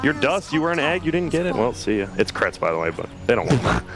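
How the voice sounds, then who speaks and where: A man calling an esports match play-by-play, excitable and quick to react to the action. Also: mid-range voice, creaky, music in the background. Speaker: esports caster. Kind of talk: play-by-play commentary.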